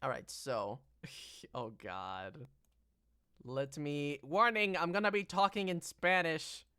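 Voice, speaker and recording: A woman's voice: sits low, slow, sharp tone, clear, resonant tone, no echo, clean studio sound. A trans woman hosting a casual stream chat, who repeats her phrases and laughs often. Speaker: VTuber streamer host.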